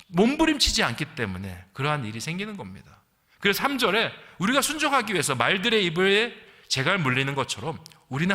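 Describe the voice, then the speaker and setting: A middle-aged pastor from South Korea's Gyeongsang region delivers a sermon, his voice fairly high-pitched with a sharp edge. He tells it conversationally, weaving in anecdotes, acting out quotes, and posing rhetorical questions. The recording carries the long reverb of a large church hall.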